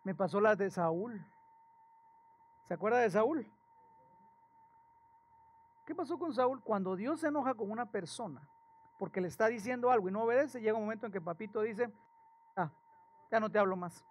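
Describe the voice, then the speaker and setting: A male pastor, preaching a sermon in a lively storytelling way and asking the congregation questions. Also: high-pitched, moderate pace, long pauses. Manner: animated storytelling with acted quotes and questions to the congregation.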